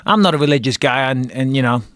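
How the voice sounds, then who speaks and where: A man's voice: medium pitch, quick pace, fairly bright tone, no echo, studio quality. A former fighter as a podcast guest, a man a little congested from a cold, telling stories in a profane, self-mocking way. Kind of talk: casual chat.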